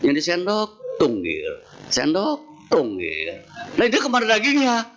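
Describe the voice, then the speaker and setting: A man's voice: sits high, a little slow. A man giving a humorous sermon as a Buddhist preacher, telling a story and acting out the dialogue in shifting voices. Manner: animated, acts out quoted dialogue in shifting voices. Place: temple hall. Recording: dull lo-fi sound with faint noise.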